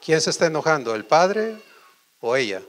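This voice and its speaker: Preacher, higher male voice. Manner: animated, quizzes the audience with quick questions. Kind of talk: sermon to a congregation.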